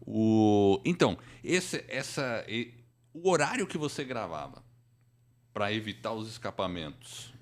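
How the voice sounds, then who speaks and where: Low-voiced Brazilian male podcast host. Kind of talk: conversational live-show hosting.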